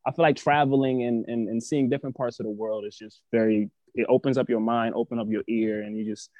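A man from Senegal, a guest on a chat show, talking casually and haltingly, repeating his words and leaning on fillers. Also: medium pitch, fairly even intonation, no room sound, highs cut off. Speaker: guest artist.

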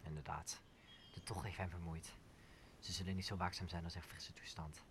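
A scheming villain played by a young man plots in a radio play. His voice is very low and he is impatient with others. Faint noise sits behind him. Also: level tone, normal speed, natural voice. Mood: impatient, menacing. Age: young adult. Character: scheming, impatient villain plotting in hushed tones. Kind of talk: Dutch audio drama of Shakespeare.

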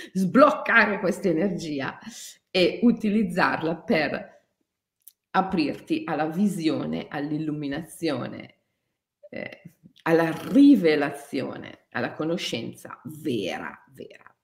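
A woman teaching shamanic yoga in a spiritual talk, emphatic and repetitive, laughing softly between phrases. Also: low-pitched, lively intonation, takes it slowly. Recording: echoey room.

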